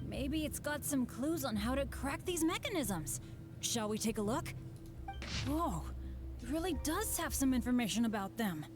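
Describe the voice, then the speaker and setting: Video game boy hero, boyish, good-hearted, earnest, highish pitch, clear background music. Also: animated, moderate pace. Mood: thoughtful, eager. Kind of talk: video game character voice acting.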